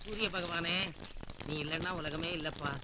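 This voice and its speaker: An actor playing a silly, meddling old uncle in a film comedy, sing-song and simple-minded. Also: male voice, very high voice, very animated, normal speed, sharp tone, a little hiss or hum, exaggerated voice. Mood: naive. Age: older.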